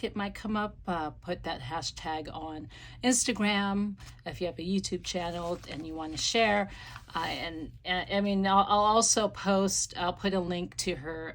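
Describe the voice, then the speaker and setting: A woman's voice: lowish voice, a little hiss or hum. A woman hosting a casual crafting tutorial, losing her voice with a slight cough, rambling with many ums and restarts. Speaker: craft channel host.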